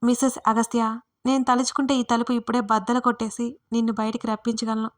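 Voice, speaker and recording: A hulking male gang boss in a spoken audio story, voiced by a woman narrator. He speaks in calm, measured threats rather than shouting. The voice sits fairly high and keeps a narrow, even pitch. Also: lightly acted. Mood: calm menace. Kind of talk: audio story character reading.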